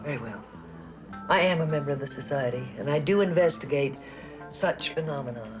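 A woman plays a prim, guarded librarian who talks in a hushed, careful way. The sound is dull and dated, with music behind her. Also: deep voice, brisk, natural voice. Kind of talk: 1970s TV drama acting.

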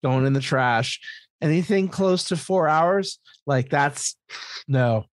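A man's voice: a little high, slow pace, dry recording. An American man co-hosting a podcast in casual comedic chat, swearing freely and repeating words emphatically as he explains. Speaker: podcast co-host.

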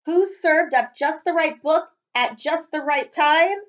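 A woman, reading a storybook aloud to children with expressive, dramatic delivery. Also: sits high, unhurried. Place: living room, on a couch. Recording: slightly dull webcam audio.

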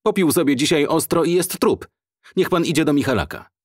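A man's voice: fairly high pitch, expressive, brisk, husky, no room sound, pitched above the performer's own voice. A male audiobook narrator voicing a blunt, dry middle-aged village woman who answers curtly. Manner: curt and dismissive.

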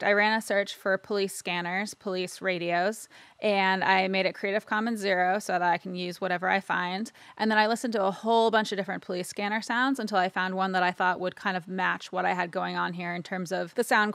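A woman narrating a casual, informal software tutorial, explaining step by step and checking in as she goes. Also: medium pitch, vocal fry, no room sound. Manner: informal, explanatory, frequent "right?" tags. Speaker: audio editing instructor.

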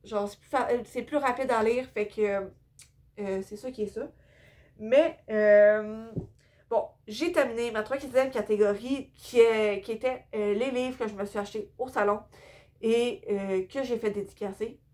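A woman's voice: on the high side, fairly even intonation, a little slow, a little mellow. A young woman with a Québécois accent chatting casually about her books in a home vlog, hesitant with many fillers and a bit tired. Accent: Québécois French. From Quebec. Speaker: book vlogger. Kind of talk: casual book haul vlog. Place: indoor room with bookshelves.

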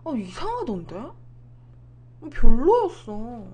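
A woman's voice: a little high, huge pitch swings, slow, mellow. A woman streaming host telling a story in casual chat, acting out the dialogue and laughing often.

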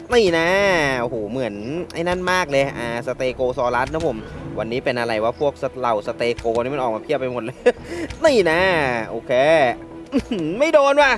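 Excitable man narrating a mobile game. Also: a little high. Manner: excitable, laughs often, taunts opponents. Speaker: gaming channel host. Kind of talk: playing a mobile game with commentary.

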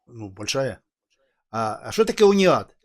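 A man's voice: mid-range voice, very animated, measured pace. A man from western Ukraine with a western Ukrainian accent, asking pointed, persistent questions in a street debate about faith. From Ivano-Frankivsk, western Ukraine. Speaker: street evangelist, channel host.

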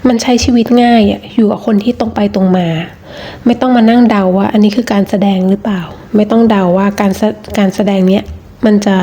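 A woman giving a casual tarot reading, talking in a gentle, chatty way with frequent restarts. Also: mid-range voice, a little hiss or hum. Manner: chatty, repeats words and restarts often. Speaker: tarot reader.

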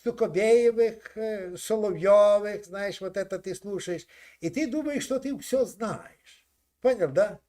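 A man's voice: high voice, warm tone. A man in his sixties with a Ukrainian accent, taunting a stranger in a video-chat argument, stopping and restarting as he keeps telling him to listen.

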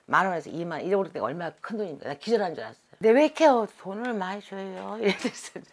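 A middle-aged woman, a shaman, telling stories from her past in an animated, dramatic way during an interview. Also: lowish voice. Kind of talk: storytelling interview.

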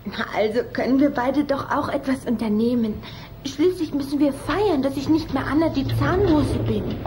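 A woman's voice: high voice, moderate pace, background noise, lightly acted. A woman playing a bold, affectionate young vampire girl in a children's audio drama, eager and girlish. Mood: proud, coaxing.

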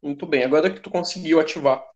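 Quick-paced and slightly high, his voice comes through dull audio from a computer mic on a video call. This Brazilian English teacher, accented in Brazilian Portuguese, calls on students and bantes jokingly with the online class.

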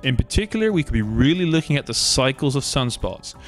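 A man reading a scripted documentary narration in a measured, argumentative way, posing rhetorical questions. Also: medium pitch, big pitch swings, faint music behind.

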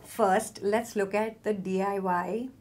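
A woman's voice: medium pitch, steady tone, slow, darkish tone. A young woman giving hair care tips to camera in an emphatic, direct, chatty way. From India. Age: young adult. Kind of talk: casual instructional talk to camera.

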